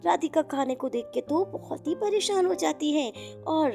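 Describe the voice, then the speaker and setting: A woman narrates a cartoon moral story in a very high, slightly gravelly voice. Her storytelling is plain and steady, with music playing behind her. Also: moderate pace. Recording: background music.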